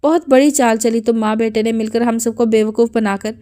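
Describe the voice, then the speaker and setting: A woman's voice: a little high, steady tone, warm tone, natural voice. Woman doing a furious old grandfather. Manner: harsh, thundering scolding. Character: stern furious old grandfather, proud and unforgiving.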